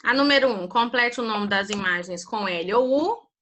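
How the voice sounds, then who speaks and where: Woman teacher, online class, patient, bright clear voice, fairly high. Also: lively intonation. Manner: patient, drills grammar terms slowly with students. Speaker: primary school teacher. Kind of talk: online class on a video call. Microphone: video call.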